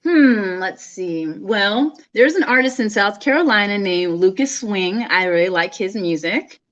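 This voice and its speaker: A woman's voice: mid-range voice, animated, a little slow, dull audio. A woman singer being interviewed, chatting casually and laughing often.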